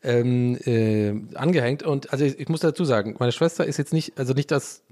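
An Irish man, English by first language, chatting alone on his podcast. He rambles and curses, mocks himself, and his voice leaps up whenever he jokes. Medium pitch, an ordinary everyday tone. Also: a little fast, darkish tone. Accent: Irish English speaker talking German. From Ireland. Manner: rambling, self-mocking, swears, jumps in pitch when joking. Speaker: podcast host. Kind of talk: casual solo podcast chat.

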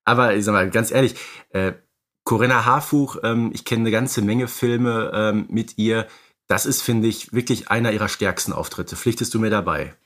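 A man's voice: fairly low pitch, moderate pace, fairly bright tone. A man co-hosting a podcast, analysing films casually in a wordy, conversational way with emphatic opinions. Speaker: podcast co-host.

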